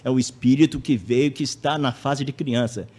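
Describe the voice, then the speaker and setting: A man's voice: medium pitch, steady tone, moderate pace, darkish tone, breathy edge. A man giving a public lecture at a spiritist center, chatty, often tagging sentences with a question and acting out anecdotes. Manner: conversational, tag questions, acts out anecdotes.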